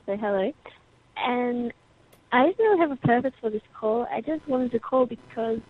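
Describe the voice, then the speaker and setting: A woman's voice: fairly high pitch, moderate pace, husky. A woman with an Australian accent leaving a casual voicemail message as a caller. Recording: narrowband voicemail phone line.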